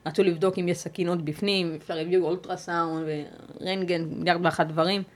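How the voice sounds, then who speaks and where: On an interview podcast, a female guest offers personal testimony in a somewhat low voice with little pitch movement. She searches for words as she goes, so her measured delivery is broken by pauses and fresh starts.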